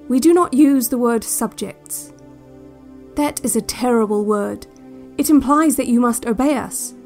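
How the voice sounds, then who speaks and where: A calm female institute guide narrates a relaxation tape in an audio drama. Her voice sits fairly high and stays measured and controlling, with quiet menace under the soothing words. Music runs behind her. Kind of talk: scripted relaxation-cassette narration.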